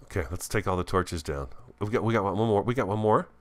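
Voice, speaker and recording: A man giving casual, chatty gameplay commentary as a host, thinking aloud and easily excited, talking with a swollen, bitten tongue. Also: fairly low pitch, quick pace. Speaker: gaming video host.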